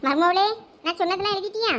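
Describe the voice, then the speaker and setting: A voice actor playing a fussy older mother-in-law in a cartoon, checking and instructing, with a squeaky sped-up voice. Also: quick pace, heavy background noise. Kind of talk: cartoon voice acting.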